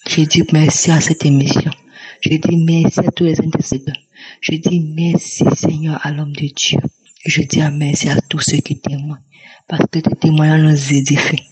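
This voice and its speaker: Flat, husky young woman. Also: low voice, normal speed, rough recording. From Cameroon. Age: young adult. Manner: earnest, repetitive, grateful. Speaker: testifier. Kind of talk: spoken testimony.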